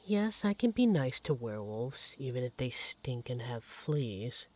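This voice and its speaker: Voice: medium pitch, sing-song, a little slow, dark tone. A performer playing an affectionate, teasing vampire barista in a conversational audio roleplay about domestic life. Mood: casual, teasing. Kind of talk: ASMR audio roleplay, one-sided domestic dialogue. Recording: clear background noise, sizzling frying pan.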